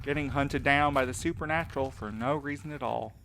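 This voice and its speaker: A wry male courier in a spooky audio drama, played by a man, speaking at a middling pitch. He is exasperated and wary, with a needling, sarcastic, colloquial delivery, and faint noise with night insects sits behind him. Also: brisk, a bit bright, close to an everyday voice. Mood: bitter, accusing.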